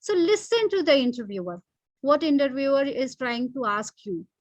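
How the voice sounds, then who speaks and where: A woman's voice: high-pitched, expressive, normal speed, no room sound. A middle-aged woman with an Indian accent, giving an online training lecture and mixing English with Hindi in an emphatic, instructive way. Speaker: employability trainer.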